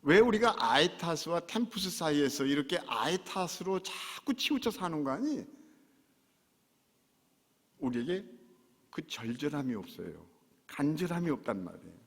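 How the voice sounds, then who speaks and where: A man's voice: a little high, very animated, moderate pace, pauses often, breathy edge. Dramatic preaching man in a reverberant hall. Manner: dramatic, acts out quotes and shouts. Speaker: pastor. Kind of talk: sermon. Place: church sanctuary. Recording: long church hall reverb.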